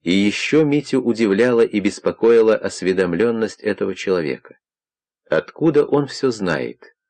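Male audiobook narrator, deep voice, steady measured delivery.

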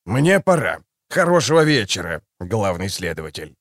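A man reading an audiobook, voicing a sly, hurried manservant eager to get away. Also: lowish voice, very animated, no room sound, studio quality. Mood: flustered.

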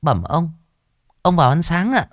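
A man's voice: a little high, very animated, normal speed, no echo, studio quality, pitched above the performer's own voice. A man voicing a meek young servant girl who answers her master politely and deferentially.

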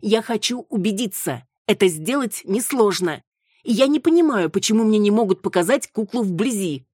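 Brief: woman reader playing a desperate young heroine, higher and tense, in a dry close take. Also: moderate pace, darkish tone, slightly rough, no echo, natural voice. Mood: insistent. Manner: pleading, breathless and panicky. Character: frantic young woman Marusya. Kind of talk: audiobook character voice.

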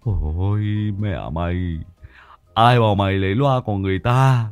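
A man's voice: sits low, moderate pace, clear, resonant tone, no room sound, soft background music. A man voicing a panicky, coarse male sidekick who curses and scolds frantically. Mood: frantic, scolding.

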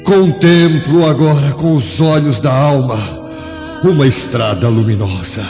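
A man's voice: mid-range voice, measured pace, lightly acted. A man voicing a Christian martyr who prays in a solemn, exalted way in a radio play. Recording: dull audio with long reverb and loud music.

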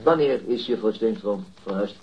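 An actor playing a formal, persistent police detective questioning a witness in a radio drama, politely insistent. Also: male voice, lowish voice, normal speed, husky, muffled recording. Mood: formal, probing. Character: male police detective inspector, formal, persistent, coolly pressuring. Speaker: interrogating police officer. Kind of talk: radio drama dialogue, interrogation.

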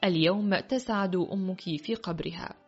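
A woman voicing a gentle older father who speaks tenderly, in a dull lo-fi recording with faint music behind. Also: lowish voice, normal speed, breathy edge. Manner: tender and kind.

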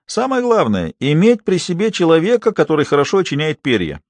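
A sarcastic comic actor who grumbles his mockery in a storybook reading, as a man puts him on. His voice rides up high when he jeers. The sound is dry and close. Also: huge pitch swings, a little fast, no echo, full character voice. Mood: mocking. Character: mocking grumbling male comedian.

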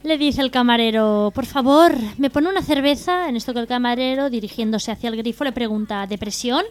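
A woman co-hosting a radio humor show, reading jokes aloud in a brisk, even way. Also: on the high side, soft background music.

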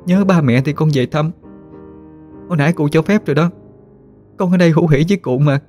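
A man's voice: on the high side, a little fast, a little mellow, faint music behind, natural voice. A man voicing a grieving young woman ghost who pleads tearfully. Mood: pleading.

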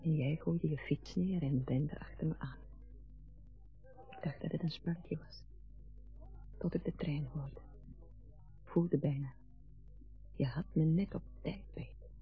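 An actress playing a wistful, reproachful grown daughter with a husky voice in a naturalistic radio drama. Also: female voice, low voice, slow pace, long pauses. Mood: wistful, hurt. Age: adult. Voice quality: husky, breathy. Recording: dull lo-fi radio recording with music.

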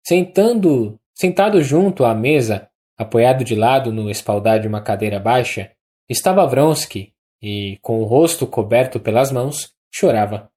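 An audiobook narrator with a Brazilian accent reading a classic novel in a measured, even way. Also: mid-range voice. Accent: Brazilian Portuguese.

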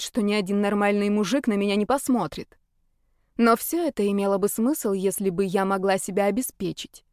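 Woman, audiobook narrator, first-person, measured, mid pitch, dry. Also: a little mellow, dry recording.

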